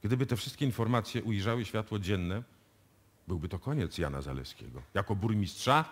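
Confident detective, low voice, very lively intonation, deliberate explaining, radio drama. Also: male voice. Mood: matter-of-fact. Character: confident male police detective explaining a case. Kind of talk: live radio drama acting in Polish. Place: radio music studio, performed live before an audience.

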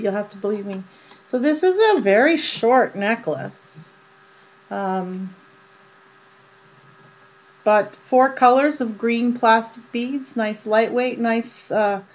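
A woman vlogger doing a casual show-and-tell of jewelry, chatty and unhurried, with many ums and uhs. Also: on the high side. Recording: dull lo-fi sound with mains hum.

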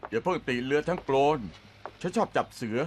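A man's voice: a little high, lively intonation, brisk, soft background music, lightly acted. A man dubbing a jaded veteran cop into Thai, blunt and scolding with dry sarcasm. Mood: cynical. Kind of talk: Thai dub of a TV drama.

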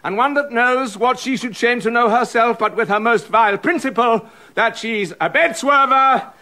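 A man's voice: very high-pitched, moderate pace. An actor playing a jealous, raging older king in a classic verse radio play, bitter and accusing. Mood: furious. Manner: bitter, accusing, swinging from loud to hushed.

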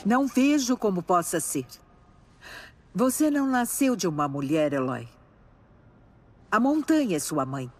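An actress playing a devout, solemn old tribal matriarch in a video game, earnest and reverent. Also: female voice, medium pitch, sing-song, a little slow, long pauses.

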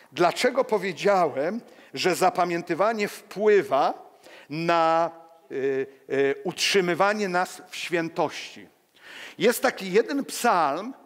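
A man in his sixties, a pastor, preaching a lively sermon with personal stories to a congregation, acting out the quotes as he moves among the pews. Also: a little high. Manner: animated, walks among the pews, acts out quotes. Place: church hall. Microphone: headset mic. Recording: long church reverb.

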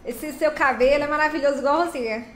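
A woman chatting lively on a live stream, greeting viewers by name while playing a truck game. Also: high voice, fast talker, reverberant, slight background noise.

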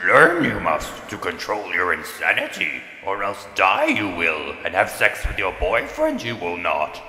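A man's voice: sits low, huge pitch swings, measured pace, sharp tone, roomy sound, long reverb tail, full character voice. A man voicing a solemn sage puppet creature in an anime parody, instructive, with inverted phrasing. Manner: solemn, instructive, backwards word order.

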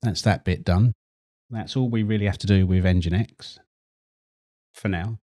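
A middle-aged man hosting a screen-recorded tech tutorial, chatty and relaxed, repeating words as he works. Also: low voice, measured pace.

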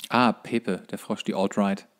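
A man's voice: fairly low pitch, fairly even intonation, measured pace, smooth. A man who co-hosts a podcast, chatting casually and comedically in a wry, sardonic manner. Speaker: podcast co-host.

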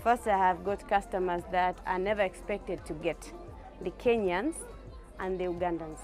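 A woman's voice: fairly low pitch, moderate pace, darkish tone, soft background music. A woman from Tanzania, a company CEO, speaking earnestly in an interview. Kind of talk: interview testimonial.

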